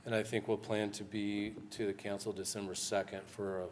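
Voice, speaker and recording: A man presenting to a city council as staff, speaking in an earnest, measured way. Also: fairly low pitch, level tone, slight background noise. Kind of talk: formal presentation.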